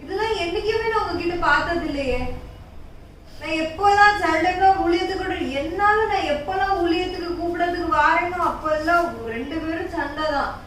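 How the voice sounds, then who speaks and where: A woman playing an earnest church sister who lectures a friend and quotes Bible verses slowly, in an amateur family skit. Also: very high-pitched, fairly bright tone, slight background noise. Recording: echoey room, far from mic.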